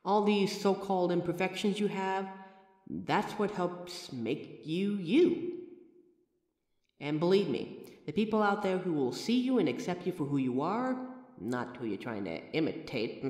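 In a comfort roleplay, a woman with a deep, darkish voice plays the listener's own mirror reflection. She is a chatty, friendly figure who rambles in a reassuring, self-aware way. The recording sounds roomy and echoey, with a long reverb.

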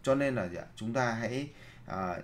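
A man's voice: mid-range voice, normal speed, a little hiss or hum. A man giving a seminar lecture as a leadership trainer, posing rhetorical questions, then answering them himself, and repeating his key phrases to the audience.

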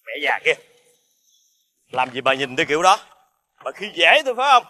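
An actor playing a violent young drug addict who yells threats at his neighbors, with a Southern Vietnamese accent. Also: fairly high pitch, very animated, brisk, exaggerated voice. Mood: accusing. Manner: menacing, yelling threats. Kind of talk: TV crime reenactment drama.

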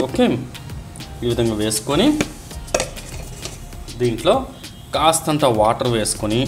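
A man's voice: mid-range voice, animated, unhurried, over music. A man narrating a cooking recipe step by step, addressing viewers directly in an instructional way. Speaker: host of a cooking channel.

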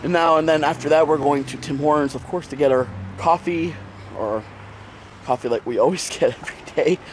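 A man's voice: a little high, a little fast, a little hiss or hum. A man, congested from a cold, rambling casually to a handheld camera as he walks around town. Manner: rambling, chatty, many fillers. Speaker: vlogger. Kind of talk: casual vlog talk to camera. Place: bedroom, outdoors on streets, in a store. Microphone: handheld action camera at arm's length.

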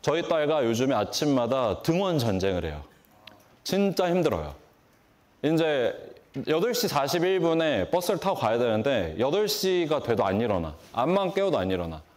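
A man giving a motivational lecture on stage, throwing rhetorical questions at the audience and answering them himself. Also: moderate pace. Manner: lively, swooping delivery with sudden pitch jumps. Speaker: hairdressing instructor and brand owner. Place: large conference stage before an audience.

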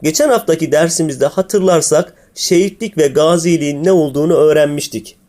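Cartoon teacher voiced by a man: dark, soft-edged timbre, kindly and inquisitive, fond of prompting pupils. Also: on the high side, fairly quick, lightly acted. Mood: teaching. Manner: addresses pupils fondly, asks leading questions. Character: kindly, curious school teacher, easily amazed. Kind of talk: scripted comic cartoon dialogue.

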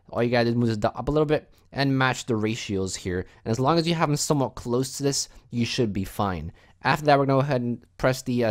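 A man narrating a software tutorial in a casual, explanatory step-by-step way as its host. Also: mid-range voice.

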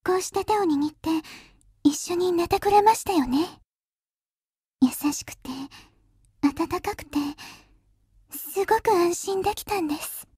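A woman voicing a gentle, devoted younger sister, polite and hesitant in an anime-style drama. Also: very high voice, no echo, clean studio sound.

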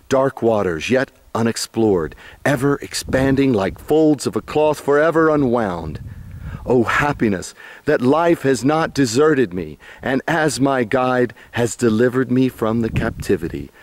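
A man reciting his own poem dramatically and fervently, halting phrase by phrase. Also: mid-range voice, darkish tone, no room sound.

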